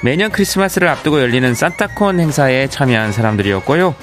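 Soft music plays behind a man whose mid-range voice is expressive and quick. In a radio studio, this host from Yeongcheon, South Korea, uses his Daegu-Gyeongbuk dialect to chat casually and read listener messages with easygoing laughs into a studio microphone.

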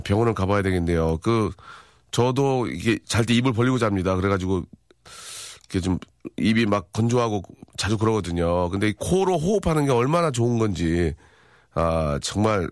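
A man in his forties hosts a radio show, chatting playfully as he reads listener messages aloud. His mid-pitched voice swings widely up and down as he jokes, and the sound is dry and close to the mic. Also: no echo. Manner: playful, jokey, acts out voices and shouts. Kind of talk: casual radio chat reading listener messages.

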